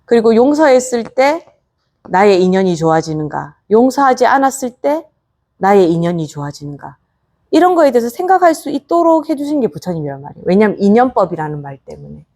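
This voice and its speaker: A woman's voice: mid-range voice, very animated, a little fast, darkish tone. A woman, a Buddhist nun, lecturing in a conversational way and often putting rhetorical questions to her listeners. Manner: coaxing rhetorical questions to the audience.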